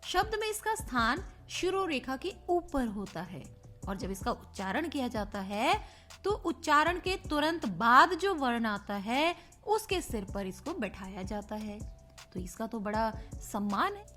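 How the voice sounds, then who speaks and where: Female teacher, high-pitched and slow, playful with the kids, spells words letter by letter, soft music bed. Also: big pitch swings. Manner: playful, addresses pupils as children. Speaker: Hindi teacher. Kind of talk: recorded grammar lesson.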